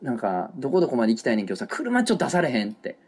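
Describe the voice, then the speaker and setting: A man's voice: mid-range voice, very fast. A man with a Kansai accent chatting casually as a podcast co-host, laughing often. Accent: Kansai Japanese. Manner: animated, laughs often, relaxed banter. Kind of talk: casual chat. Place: home, children heard outside.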